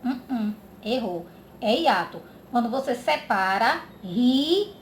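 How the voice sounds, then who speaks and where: Slow, patient woman teacher. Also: on the high side, lively intonation. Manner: slow, drawn-out, checks in with "tá?". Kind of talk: children's grammar lesson. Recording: echoey room with faint background noise.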